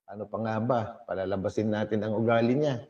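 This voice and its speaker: A man's voice: fairly low pitch, fairly even intonation, fast, a little mellow, dull audio. A man hosting a casual gossip vlog, reading posts aloud and laughing often.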